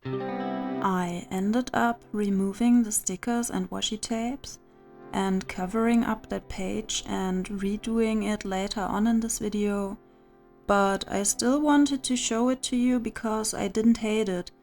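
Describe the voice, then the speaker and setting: A woman's voice: medium pitch, fairly even intonation, takes it slowly, a little mellow. A woman narrating a craft video voice-over in a chatty, confiding way, as the host of her channel. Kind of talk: scripted voice-over narration of a journal setup. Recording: music behind the voice. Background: background music.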